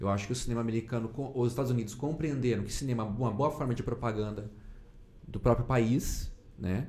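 A man is speaking at a fairly quick pace. His intonation is fairly even. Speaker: actor and podcast co-owner; actor, podcast co-owner. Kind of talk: casual chat. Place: studio. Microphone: studio mic.

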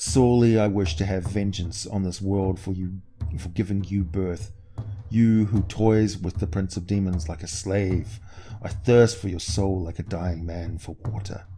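At a moderate pace, a raspy put-on character voice takes on a menacing tone. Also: man, very deep, low pitch for a man. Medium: read story. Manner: menacing, wrathful.

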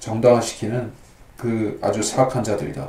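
The speech comes at a moderate speed, and room echo is audible. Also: man. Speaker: Bible teacher. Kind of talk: lecture. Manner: halting.

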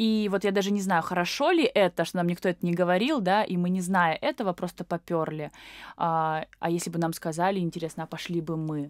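Dry and close with no echo, the recording captures a woman with a plain, everyday voice. She speaks at a fairly quick pace with a fairly low pitch and ordinary pitch variation. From southern Russia (Krasnodar Krai, Kuban). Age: 20s. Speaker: communications agency co-founder. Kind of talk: casual interview chat.

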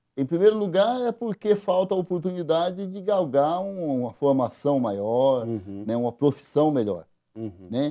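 Over a quiet background, a man with a dark, mellow, fairly high voice talks at a moderate pace with hardly any pauses and very wide pitch swings. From Brazil. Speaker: state legislator; interview guest. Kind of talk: studio interview; interview answer. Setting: studio. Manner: halting. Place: studio. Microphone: lapel.

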